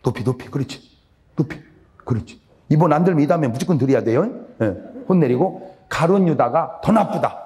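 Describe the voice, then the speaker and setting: A man preaching a revival sermon as pastor, asking the congregation questions and having them answer back, swinging between loud high lines and low drops. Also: expressive, fairly quick. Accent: Korean. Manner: call-and-response questions to the congregation. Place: church sanctuary.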